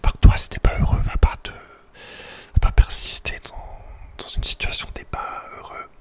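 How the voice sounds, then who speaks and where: A man speaks in a breathy whisper throughout, as in an ASMR video. His delivery is casual and slangy, with a hesitant, rambling flow. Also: moderate pace.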